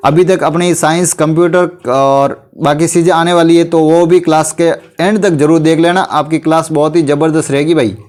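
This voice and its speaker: Guy teaching a quiz class, kinda sore throat, a bit high voice, keeps saying bhai. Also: flat delivery, darkish tone. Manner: repeats "bhai", urges students to answer quickly.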